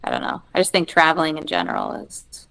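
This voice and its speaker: A woman in her thirties from Massachusetts, a guest on a podcast, who answers thoughtfully with hesitant pauses. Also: deep voice, huge pitch swings, vocal fry, bright, forceful tone. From Massachusetts, United States. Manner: thoughtful and hesitant, with many fillers. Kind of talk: casual interview chat.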